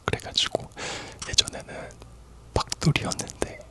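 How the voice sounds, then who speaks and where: A person whispering a casual, rambling ASMR chat in a soft, unvoiced whisper. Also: moderate pace. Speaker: ASMR video creator.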